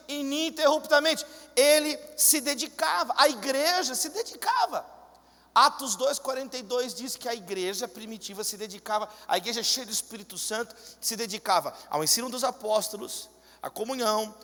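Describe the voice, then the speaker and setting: A man's voice: very high-pitched, a bit bright. A male pastor with a Brazilian Portuguese accent, preaching a fervent sermon and calling out to his congregation. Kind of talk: energetic sermon. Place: large church hall, indoors. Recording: long church hall reverb.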